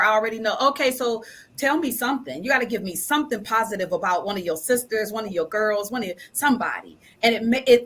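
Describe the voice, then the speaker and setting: A woman's voice: mid-range voice, fairly bright tone. A woman speaking emphatically as a guest in a conversational interview, often repeating phrases for emphasis. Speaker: guest from a stage play production.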